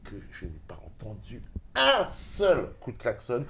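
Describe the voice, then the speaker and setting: A man's voice: mid-range voice, huge pitch swings, measured pace, creaky, a bit bright. A man hosting an interview discussion, indignantly agreeing with and echoing his guest. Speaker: host.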